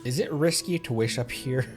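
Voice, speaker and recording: A man's voice: mid-range voice, a little slow. A man chatting casually on a livestream during gameplay, easygoing and rambling as he corrects himself. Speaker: livestreamer, VTuber. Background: faint game music.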